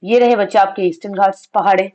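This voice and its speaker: Speaking quickly in a steady, darkish mid-range voice, an Indian woman with a slightly sore throat runs an exam revision class, with dull-sounding audio. Addressing her students as "kids," she answers her own questions and slips English phrases into her teaching.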